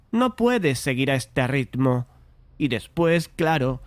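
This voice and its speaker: An actor playing a skeptical, paternal painter who tells his own story in measured audiobook narration and dialogue. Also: fairly high pitch. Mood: chiding, skeptical. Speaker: narrator and main character.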